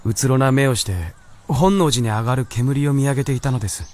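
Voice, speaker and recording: A man's voice: mid-range voice, a little fast, darkish tone, slight background noise, close to an everyday voice. A man playing an earnest, polite young white fox in a Japanese radio drama. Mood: troubled, earnest.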